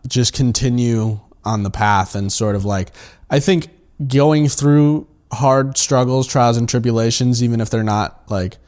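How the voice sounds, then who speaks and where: A man's voice: medium pitch, a little slow, darkish tone. A man co-hosting a podcast, speaking earnestly in casual conversation and thinking aloud with "uh" and "like". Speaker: podcast co-host.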